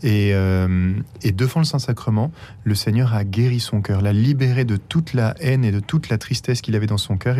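This man has a fairly low pitch. His tone is dark and mellow. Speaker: missionary. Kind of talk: testimony. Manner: hesitant, many fillers.

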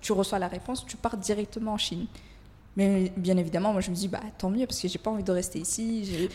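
A woman speaks at a medium pitch with a dark, mellow, somewhat breathy tone. Her pace is fairly quick and her intonation fairly even. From Comoros (Anjouan). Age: 20s. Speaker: coworking support officer. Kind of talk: interview testimony. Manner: hesitant, with frequent fillers.

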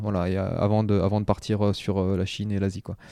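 This man's voice has a dark, mellow tone and a fairly low pitch. He moves along at a fairly quick pace. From Haute-Savoie, France (Arve valley near Chamonix). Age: 30s. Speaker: trekking agency director and mountain guide. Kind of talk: casual interview conversation. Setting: home recording, shared microphone. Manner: hesitant, many fillers.

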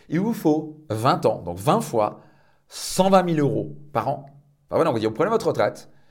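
Fairly high male voice with vocal fry, very wide pitch swings and an energetic tone, at a fairly slow pace. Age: 40s. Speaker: podcast host, business coach. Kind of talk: motivational monologue.

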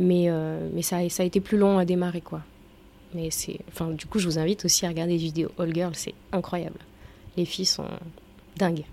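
The speaker goes at a moderate pace with long, frequent pauses. The intonation is monotone and flat. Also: woman. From France, Auvergne. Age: 30s. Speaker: cheerleading athlete. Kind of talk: casual interview.

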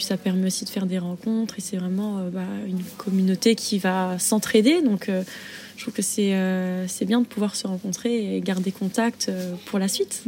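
At a moderate pace, a woman with a medium pitch speaks in an unremarkable speaking voice with fairly even intonation. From France. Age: 20s. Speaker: interviewee. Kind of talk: testimony.

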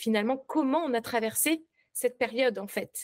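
With a dry, close sound and no echo, a woman speaks at a moderate pace in a high pitch with ordinary pitch variation. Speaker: entrepreneur and coach. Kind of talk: casual interview. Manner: energetic, enthusiastic, laughs often.

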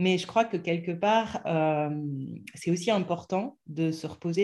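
A woman's dark, mellow voice proceeds fairly slowly. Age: 40s. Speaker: psychologist and podcaster. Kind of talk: casual interview.

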